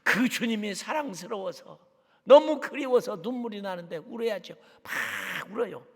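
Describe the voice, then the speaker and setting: A man preaching a sermon as a guest missionary, fervent, dropping to hushed tones and rising to shouts. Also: sits high, breathy edge. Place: church sanctuary. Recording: long church hall reverb.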